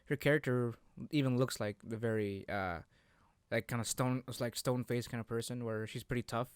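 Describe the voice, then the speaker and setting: A man with a smooth, clear, medium-pitched voice, co-hosting a casual video game chat. The sound is dry, with very little room on it. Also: steady tone, normal speed, no room sound. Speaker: podcast co-host.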